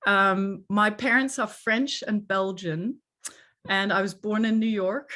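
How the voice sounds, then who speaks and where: A woman's voice: medium pitch, steady tone, slow pace, pushed and bright. A middle-aged woman with a mixed international English accent that is hard to place, hosting an online workshop as a coach in an earnest, chatty way with many fillers, speaking over a video call.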